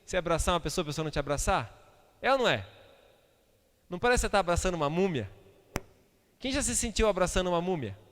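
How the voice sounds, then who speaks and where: A male pastor delivers an impassioned sermon in a fairly high voice. He swings between loud outbursts and quiet, hushed asides. His voice rings through a large church hall with a long reverb tail. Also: very animated, quick pace, long pauses. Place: church sanctuary.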